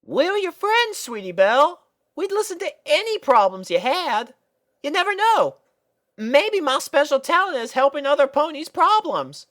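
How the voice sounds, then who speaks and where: A woman's voice: high voice, very animated, normal speed, a bit bright, pitched above the performer's own voice. A woman voicing a sweet young farm filly in a story reading, earnest and eager to help. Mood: concerned, eager.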